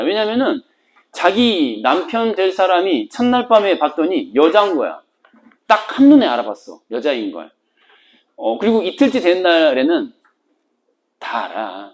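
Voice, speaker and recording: A literature teacher giving a casual, slangy exam-prep lecture and explaining terms in an animated way. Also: mid-range voice, slight background noise.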